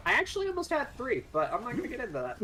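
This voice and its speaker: A gamer in casual voice chat, excitable and gushing, laughing often. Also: medium pitch, rapid-fire. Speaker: gamer chatting while playing.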